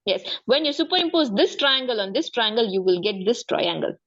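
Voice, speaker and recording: A woman's voice: a little high, sing-song, brisk, a bit bright, muffled recording. A woman with a South Asian accent teaching maths one-to-one, encouraging and often checking that the student follows. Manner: encouraging, frequently checking understanding. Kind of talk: interactive one-to-one tutoring.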